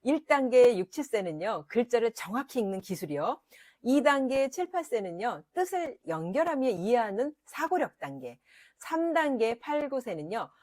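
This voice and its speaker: A woman's voice: medium pitch, a little mellow, no room sound. A middle-aged woman teaching parents about children's reading, talking in an emphatic way with frequent fillers. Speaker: literacy educator. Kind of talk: parenting advice lesson.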